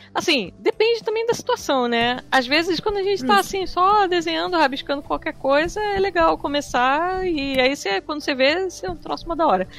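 This woman talks at a moderate pace with hardly any pauses and very wide pitch swings. Noticeable background noise runs behind her. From Rio de Janeiro state, Brazil (Petrópolis). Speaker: illustrator. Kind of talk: casual chat.

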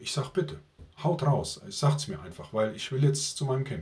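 This man's pitch ranges very widely, and vocal fry is present in his voice. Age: 50s. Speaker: police officer sharing his faith testimony. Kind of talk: testimony.

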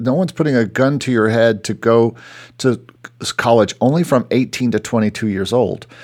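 This is a man with a plain, everyday voice. He speaks at a medium pitch with an American accent. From US South, Kentucky (Lexington). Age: 50s. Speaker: podcast host and music composer. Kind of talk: interview conversation.

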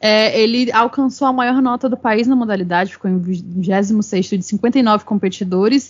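Ordinary pitch variation marks a woman's moderately paced speech. There is a somewhat breathy quality to her voice. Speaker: podcast host. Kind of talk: interview.

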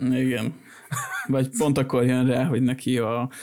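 A moderate pace and flat, monotone intonation in a very clean recording with a silent background. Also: man. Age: 20s. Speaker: podcast co-host. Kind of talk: casual chat.

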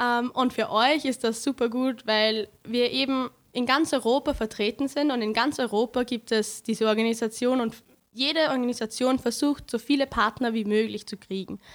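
Her pitch is high for a woman, and her intonation is fairly even. She keeps to a moderate pace. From Austria, Lower Austria near Steyr. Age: 20s. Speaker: student, exchange network founder. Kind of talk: casual interview.

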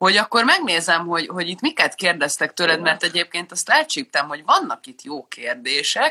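In a plain, everyday voice, a woman with a fairly low pitch talks at a moderate pace with lively intonation, big swings in loudness, and hardly any pauses. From Hungarian community abroad. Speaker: online talk show host. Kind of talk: interview.

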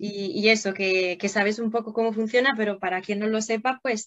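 A woman speaks at a fairly high pitch in a Madrid accent. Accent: sounds like a native Spaniard from Madrid. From northwest Italy, near the French border. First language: Italian (bilingual with French) (speaking Spanish). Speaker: language learner and interviewee. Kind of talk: casual interview.

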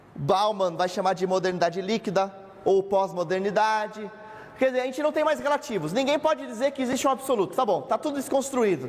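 Noticeable background noise runs behind a man speaking at a fairly quick pace. His voice is high-pitched, with lively intonation. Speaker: preacher. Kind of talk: sermon. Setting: church. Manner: emphatic, rhetorical pulpit delivery with questions; earnest, didactic, persuasive.

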